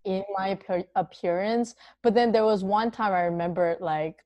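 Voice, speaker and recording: A young woman from Singapore with a deep voice, hosting a casual podcast chat in an upbeat, chatty way full of fillers. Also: moderate pace, darkish tone, dry recording. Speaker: podcast host.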